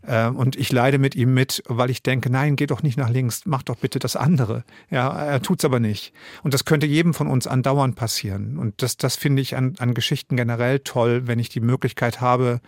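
A German man in his fifties, a radio drama director and author, answering interview questions thoughtfully with frequent pauses and restarts. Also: medium pitch, fairly even intonation, no echo, clean studio sound. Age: 50s. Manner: thoughtful, many hesitations and restarts.

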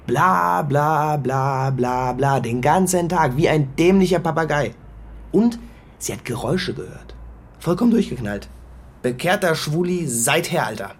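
A man's voice: on the high side, expressive, a little slow, slightly rough, exaggerated voice. An actor playing a sardonic, gloomy teenage boy in a radio play who teases with crude slang. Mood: mocking.

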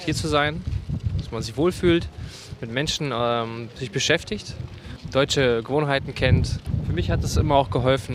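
A man from Russia answering a street interview outdoors, soft-spoken and reflective. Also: mid-range voice. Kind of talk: vox pop answer. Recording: outdoor street recording with traffic noise.

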